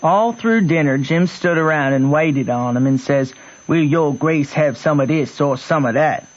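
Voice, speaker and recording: A man's voice: fairly high pitch, measured pace, natural voice. An actor in a radio drama playing a shrewd country boy who narrates in a plain, folksy way with a Southern American accent. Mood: wry, matter-of-fact. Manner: folksy, matter-of-fact storytelling. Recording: dull lo-fi radio recording.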